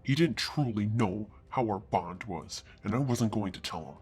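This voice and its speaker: A man reading a first-person fantasy story aloud, with an earnest husky delivery that climbs into anger on the hero's lines. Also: on the low side, lively intonation, moderate pace, darkish tone, faint music behind. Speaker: story reader.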